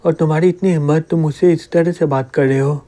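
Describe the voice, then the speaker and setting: A powerful young hero who brushes off his enemies with calm disdain, read by a man narrating a comic. The voice is mellow and slightly high. The reading is plain, in a storybook way. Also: fast talker, close to an everyday voice. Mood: dismissive.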